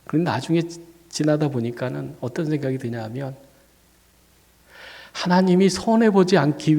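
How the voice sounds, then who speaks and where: A male pastor preaching through a cold in a church sanctuary, his gravelly voice pitched a bit high. He tells the story in a conversational way and climbs hard on the points that matter. A long reverb from the hall trails every phrase. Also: warm tone. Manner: conversational, with rising emphatic peaks on key points. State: fighting a cold and feeling dizzy. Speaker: senior pastor. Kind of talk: storytelling sermon.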